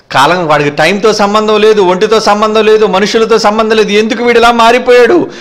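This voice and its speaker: A man with a Telugu accent preaching a sermon, asking rhetorical questions and acting out quoted speakers. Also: on the high side. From India. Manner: animated, rhetorical questions, acts out quoted lovers.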